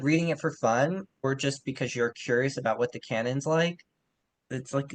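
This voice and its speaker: A man co-hosting a literary podcast, giving casual literary analysis in a discursive way, often qualifying his own points. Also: mid-range voice.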